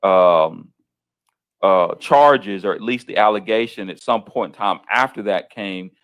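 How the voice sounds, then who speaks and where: Halting low-voiced male interviewer. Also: fairly bright tone. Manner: halting, many restarts, leading questions ending in "right?". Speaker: interviewer, host. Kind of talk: interview questioning.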